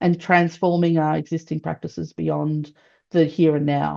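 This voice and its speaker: A woman's dark, mellow tone with an Australian accent at a fairly quick pace over a quiet background. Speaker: educational designer and researcher. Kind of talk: webinar presentation. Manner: fast.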